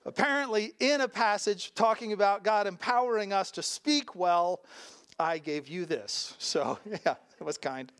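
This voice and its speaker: Preacher, mid pitch, conversational and animated delivery with rhetorical questions and wry asides, dry recording. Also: a little slow, smooth, no echo. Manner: animated, rhetorical questions, frequent "right?" check-ins. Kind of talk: sermon with casual asides and scripture reading.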